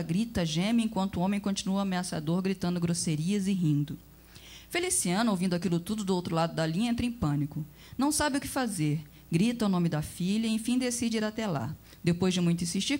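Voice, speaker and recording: A woman reading a story aloud with expressive, measured narration. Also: mid-range voice.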